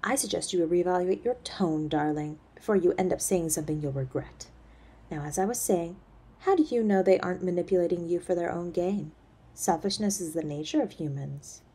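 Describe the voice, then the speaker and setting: Husky, haughty demon mother, acted by a woman. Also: lowish voice, a little fast, dark tone. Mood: cold, disdainful. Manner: imperious, mocking, menacing. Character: haughty, cruel centuries-old succubus demon mother. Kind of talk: scripted audio roleplay acting.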